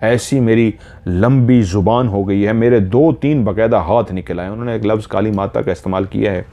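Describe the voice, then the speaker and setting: A man's voice: fairly low pitch, normal speed, warm tone. A man telling a horror story, earnestly retelling a listener's dream in first person and drawing out repeated phrases.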